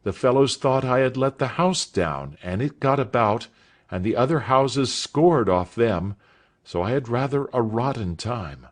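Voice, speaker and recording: A man's voice: medium pitch, lively intonation, unhurried, pitched above the performer's own voice. A man reading aloud voices a nervous, earnest teenage schoolboy who speaks hesitantly.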